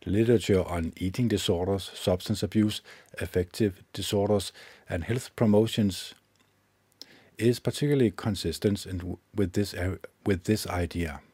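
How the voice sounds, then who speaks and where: A man hosting his own podcast, reading a self-help book aloud in a measured way, with occasional slips he corrects himself. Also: deep voice, a little mellow, slightly rough, no room sound. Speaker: podcast host. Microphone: own microphone with gain up and low cut filter.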